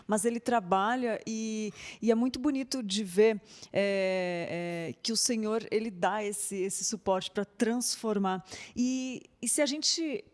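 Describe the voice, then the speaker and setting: A woman's voice: medium pitch, slow pace, a little mellow. A woman hosting an interview, talking conversationally with many hesitations and fillers. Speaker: host. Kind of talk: casual interview talk.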